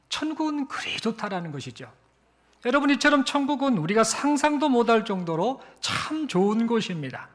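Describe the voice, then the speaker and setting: A male pastor preaches a sermon with a high voice. He tells a story and asks rhetorical questions as he goes. His delivery swings widely in pitch and stays animated throughout. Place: church sanctuary.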